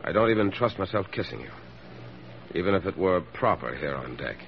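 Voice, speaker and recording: A teasing young lieutenant. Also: male voice, deep voice, expressive, a little fast, vocal fry. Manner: teasing, gentle. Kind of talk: 1940s radio acting. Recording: dull old radio recording with faint hiss.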